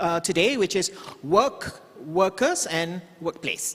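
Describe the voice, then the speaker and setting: Lively intonation marks a man speaking over noticeable background noise. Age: 60s. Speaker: media executive. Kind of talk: panel talk, storytelling. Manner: casual, conversational.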